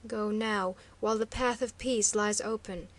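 A woman voicing a proud male master of guards who speaks in a cold, stern, measured way. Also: a little high, fairly even intonation, no room sound.

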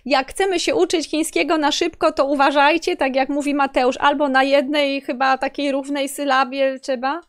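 A woman's voice: sits high, flat delivery, moderate pace, hardly any pauses. A woman interviewing a guest, chatty and given to laughing. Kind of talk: casual interview talk.

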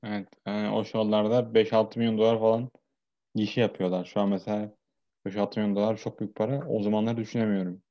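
A man's voice: lowish voice, little pitch movement, quick pace. A man co-hosting a casual discussion, heard through a dull lo-fi voice channel. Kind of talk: casual wrestling history discussion.

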